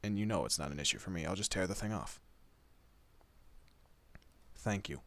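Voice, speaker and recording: A man's voice: sits low, normal speed, fairly bright tone, no echo. A man playing a teasing, protective monster detective in a horror roleplay audio, talking casually to his human partner. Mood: easygoing, coaxing. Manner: casual, teasing, muttered asides. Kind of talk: horror roleplay audio drama, addressing the listener.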